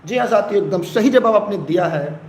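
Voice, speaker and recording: Man, eastern Uttar Pradesh Hindi accent, high voice, live online teacher, repeats himself, urges comments, echoey room. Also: lively intonation, fairly quick. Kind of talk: live online exam-prep lesson. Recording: echoey room, faint background noise.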